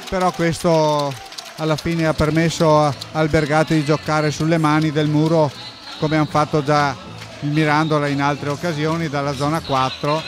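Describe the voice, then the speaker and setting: A man co-commentating a live volleyball match, explaining plays in an analytical, explanatory way. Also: fairly high pitch.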